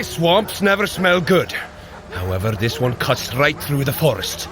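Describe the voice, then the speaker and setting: A man's voice: mid-range voice, background noise. A man playing a bold Norse thunder god and warrior leader in an audio adventure, hearty and commanding, with grand archaic speech. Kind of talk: dramatic audio adventure acting.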